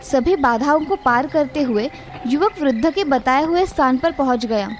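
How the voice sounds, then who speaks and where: Female storyteller, high voice, dramatic scripted narration over soft music. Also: lively intonation, moderate pace.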